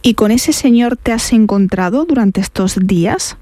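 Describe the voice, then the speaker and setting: Gentle woman interviewer, mellow tone. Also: fairly high pitch, animated, normal speed, no room sound. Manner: gentle, prompting with short questions. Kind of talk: interview questions.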